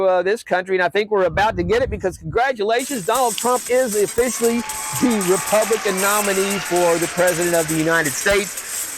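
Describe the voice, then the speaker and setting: Rambling man vlogger, high voice. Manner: rambling, halting, with many fillers; opinionated political ranting. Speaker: vlog host. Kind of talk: casual chat.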